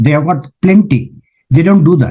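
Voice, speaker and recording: The man's tone is dark and mellow, with lively intonation. His voice is somewhat breathy. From India. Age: 60s. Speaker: coach. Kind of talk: casual chat.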